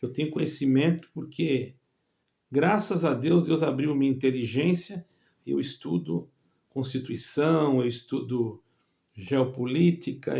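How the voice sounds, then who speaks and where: Gravelly Brazilian-Portuguese man addressing believers. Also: mid-range voice, dark tone. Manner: halting, with many pauses and restarts. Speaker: evangelical channel host. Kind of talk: direct-to-camera address to fellow believers.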